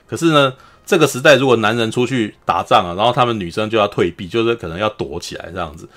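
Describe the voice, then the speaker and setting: A man's voice: lowish voice, fast talker, fairly bright tone. Chatty man recapping a drama. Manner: chatty, keeps asking "you know?", acts out quotes in a raised voice, laughs often. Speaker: podcast host. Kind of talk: casual storytelling recap of a TV drama.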